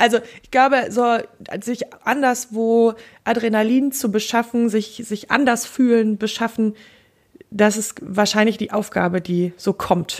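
Fairly high in pitch, a woman speaks fairly slowly with fairly even intonation in an unremarkable speaking voice. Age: 30s. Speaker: social worker. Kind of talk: casual chat.

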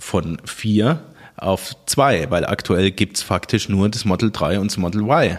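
A man talks at a very slow pace with a fairly low pitch. The recording is very clean, with a silent background. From rural Germany. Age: 40s. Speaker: car podcast co-host. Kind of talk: casual chat. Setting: sitting together over coffee.

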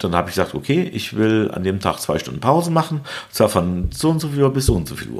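A man speaks with hardly any pauses and very wide pitch swings. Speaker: cultural event organizer. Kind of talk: casual interview.

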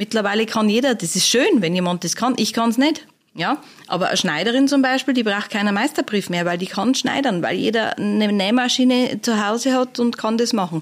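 A woman speaks fairly quickly in a fairly high pitch. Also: ordinary pitch variation. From Germany, northern Upper Palatinate (Waldsassen). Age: 40s. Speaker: photographer. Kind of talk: interview. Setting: studio.

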